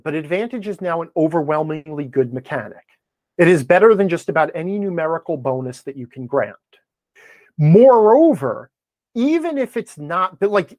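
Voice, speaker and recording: Animated, emphatic man explaining his opinion. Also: on the high side, dry recording. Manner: emphatic, checks in with "okay" and "right". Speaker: podcast guest, game design commentator.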